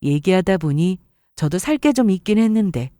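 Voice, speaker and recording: Female story narrator, mid-pitched, dark mellow voice, scripted first-person delivery. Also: animated, moderate pace, no room sound.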